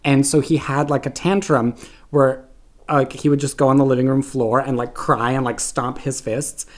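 A man's voice: mid-range voice, little pitch movement, normal speed. A young man from Canada telling stories in casual podcast chat, peppering his speech with "like". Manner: chatty storyteller, constant "like". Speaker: podcast guest.

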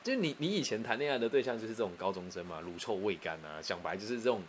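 Fast-talking Taiwanese man telling a story. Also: lowish voice, slight background noise. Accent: Taiwanese Mandarin. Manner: chatty, animated, frequent restarts and asides. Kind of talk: casual personal storytelling.

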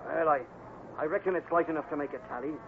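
An actor playing a folksy, excitable cowhand sidekick in an old-time radio Western. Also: male voice, fairly high pitch, quick pace, gravelly. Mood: steady, folksy. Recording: tinny, hissy vintage radio recording.

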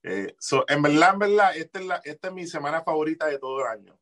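A man's voice: on the high side, expressive, fast, fairly bright tone. A man from Puerto Rico with a Puerto Rican accent, a musician guest chatting casually, jokey and slangy, dropping in English words. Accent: Puerto Rican Spanish. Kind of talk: casual chat.

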